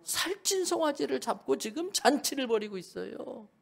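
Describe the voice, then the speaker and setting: High-voiced male pastor preaching. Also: moderate pace, gravelly. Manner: animated storytelling with rhetorical questions. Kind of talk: sermon.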